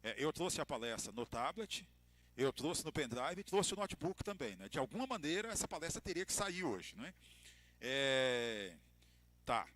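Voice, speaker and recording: A man with a Brazilian Portuguese accent, a pastor giving a church lecture to couples, telling stories with expressive emphasis and light humor. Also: medium pitch, moderate pace, no room sound.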